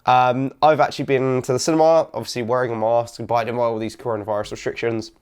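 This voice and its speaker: A young man with a slightly raspy voice from a cold, casually reviewing a film and rambling with lots of fillers. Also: medium pitch, little pitch movement, fast, darkish tone. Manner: rambling, many ums and sort ofs.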